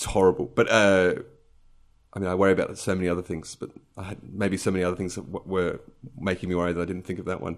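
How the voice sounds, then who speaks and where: A man with an Australian accent talks at a very fast pace. His very deep, low voice keeps a fairly even intonation. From Australia (Adelaide). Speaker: composer. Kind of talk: casual interview. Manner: fast talker.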